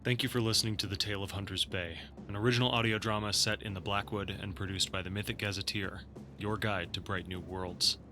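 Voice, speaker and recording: Low-voiced man reading credits over music. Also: steady tone, quick pace. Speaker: announcer reading end credits. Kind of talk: scripted narration. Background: theme music.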